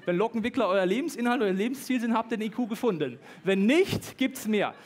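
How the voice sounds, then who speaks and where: High-voiced lively joking pastor, man. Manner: lively, joking, talks fast at times. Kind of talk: sermon.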